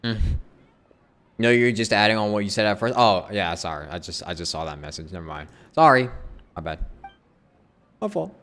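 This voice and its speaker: A man's voice: lowish voice, animated, moderate pace, pauses often, a bit bright. A man doing casual livestream commentary as he plays a game, chatting informally with viewers. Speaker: game streamer. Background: game music.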